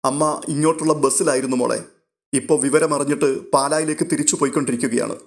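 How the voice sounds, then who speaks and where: A man's voice: medium pitch, fairly even intonation, quick pace, vocal fry, natural voice. A man reading a worried young woman. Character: anxious, tearful young woman, devoted daughter.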